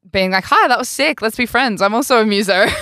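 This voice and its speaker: A woman speaks in an Australian accent on a very clean recording with a silent background. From New South Wales, Australia. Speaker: musician. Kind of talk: casual chat. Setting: studio.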